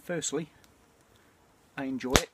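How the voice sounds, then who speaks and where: A British man in his forties chatting casually and reflectively to camera, with a hesitant, throat-clearing delivery. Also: mid-range voice, steady tone, a little slow. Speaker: bushcraft vlogger. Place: outdoors at night by a small campfire. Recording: clear ambient noise of an outdoor campfire.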